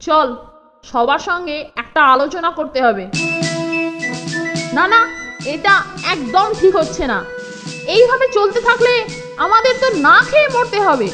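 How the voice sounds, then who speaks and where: A woman's voice: very high-pitched, animated, a little slow, long pauses. A woman voicing a plucky, crafty schoolboy in a children's cartoon, challenging and a bit bossy. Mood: determined, scheming. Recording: long reverb, clear background music.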